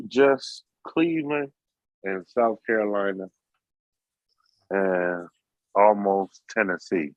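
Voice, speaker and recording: A blunt, drawling man from the United States with a fairly low voice, chatting casually. The sound is dry and close, but dull and lo-fi. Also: takes it slowly, long pauses, dry recording. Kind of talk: casual chat. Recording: dry, muffled lo-fi call audio.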